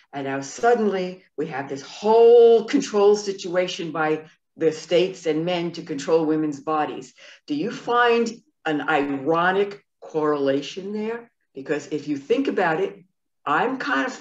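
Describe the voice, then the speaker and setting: Audible room echo surrounds a woman speaking at a fairly slow pace, her fairly low pitch carried by lively intonation. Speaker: congregant. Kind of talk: group discussion. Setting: video call. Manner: outspoken, blunt. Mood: impassioned, opinionated. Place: home room. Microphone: video call.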